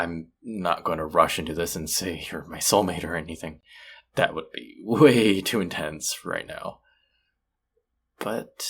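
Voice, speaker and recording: Man playing a deep, husky romantic sweetheart. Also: exaggerated voice. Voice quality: husky, gravelly low voice. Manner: soft, hesitant, tender, with pauses. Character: sweet, smitten young man, romantic stranger from a flight. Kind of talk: intimate romantic audio roleplay addressed to the listener.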